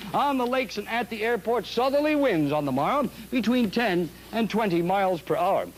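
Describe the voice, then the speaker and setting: An energetic, high-pitched man with an American accent, lively intonation, very even loudness and hardly any pauses, over noticeable background noise. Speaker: TV weatherman. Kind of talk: TV weather report. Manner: fast-talking, energetic, joking.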